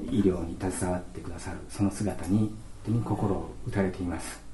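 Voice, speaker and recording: A man's voice: deep voice, fairly even intonation, moderate pace, warm tone, a little hiss or hum. A man in his fifties with a Kansai accent, a kindergarten principal telling anecdotes in a chatty way. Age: 50s. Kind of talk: storytelling speech. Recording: roomy, distant mic, faint ambience.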